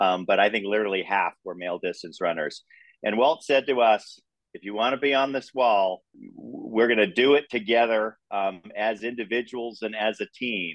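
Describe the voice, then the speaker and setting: Speaking at a moderate pace, a man has an unremarkable speaking voice. His pitch is medium, with ordinary variation. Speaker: former college runner, alumnus. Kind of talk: remembrance interview.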